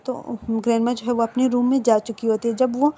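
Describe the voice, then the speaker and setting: A woman's voice: on the high side, little pitch movement, a little fast, warm tone. A woman retelling a fan fiction story conversationally, with fillers and self-corrections.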